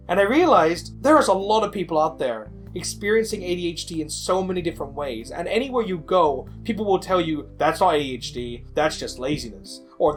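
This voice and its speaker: A man telling a personal story as a game developer in an informal, candid voice-over. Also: high-pitched. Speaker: indie game developer and video creator.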